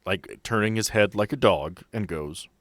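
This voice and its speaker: A man's voice: fairly low pitch, moderate pace, a bit bright, no echo. A man working as game master, narrating a tabletop role-playing game in a descriptive, explanatory way with asides.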